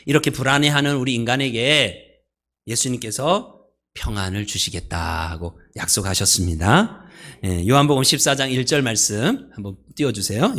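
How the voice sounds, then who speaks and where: A man's voice: mid-range voice, fairly bright tone. Chatty male pastor preaching. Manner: conversational, asks the congregation questions; playful, laughs at his own jokes. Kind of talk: sermon. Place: church sanctuary.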